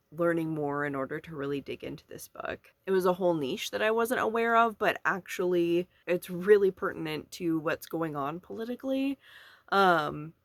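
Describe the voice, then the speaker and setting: A woman's voice: on the low side, no echo. A young woman chatting informally and bluntly about books, rambling a little and swearing casually. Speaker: book reviewer video creator. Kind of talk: casual book commentary to camera.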